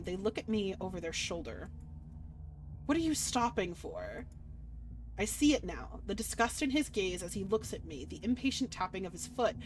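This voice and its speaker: Female streamer, medium pitch, expressive story reading mixed with casual, reactive asides. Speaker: game streamer. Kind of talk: dramatic visual novel reading with casual commentary.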